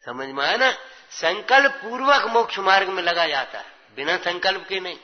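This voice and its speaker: With an expressive, high-sitting voice at a normal pace, a religious teacher delivers a scripture sermon full of exhortation and rhetorical questions aimed at his listeners. It's captured as dull lo-fi audio with a long, echoing hall tail.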